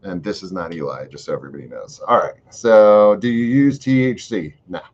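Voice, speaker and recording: A man's voice: low voice, brisk, darkish tone, highs cut off. A man hosting a casual live chat, answering viewer questions in a rambling, profane way with lots of fillers. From Florida. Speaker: host.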